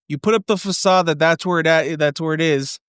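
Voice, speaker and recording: A man co-hosting a podcast in casual chat, profane and excitable as he spins theories. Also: on the high side, a little fast, smooth, no echo, studio quality. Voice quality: occasional stutter and slight lisp when frustrated. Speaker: podcast co-host.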